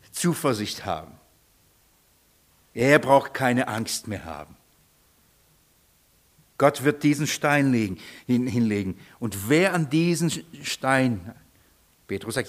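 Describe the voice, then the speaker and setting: A man preaching a sermon, animated, asking the congregation questions and repeating sounds to imitate a foreign tongue. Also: medium pitch, unhurried, long pauses. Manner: animated, repeats nonsense syllables to mimic foreign speech.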